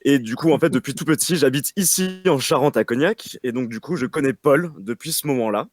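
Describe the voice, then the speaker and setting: Young French man, guest, mid pitch, dry mic, calm delivery. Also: fairly quick, no echo. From France. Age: young adult. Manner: calm, hesitant with fillers.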